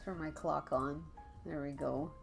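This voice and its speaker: A woman's voice: sits low, unhurried, gravelly. A young woman with a congested, stuffy nose, chatting casually and rambling to her chat while she draws, laughing often. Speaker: art streamer. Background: faint calming jazz music.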